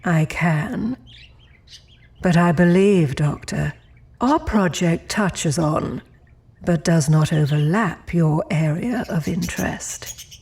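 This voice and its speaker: An actress playing a serene otherworldly architect in an audio drama, politely cold, formal and measured. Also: female voice, fairly low pitch, creaky, a little mellow. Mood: cool, composed.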